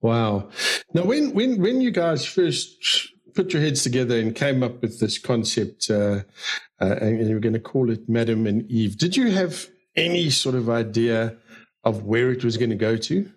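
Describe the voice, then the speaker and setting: A man's voice: mid-range voice, expressive, moderate pace. A man hosting a podcast interview, asking friendly, rambling questions with fillers. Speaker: podcast host.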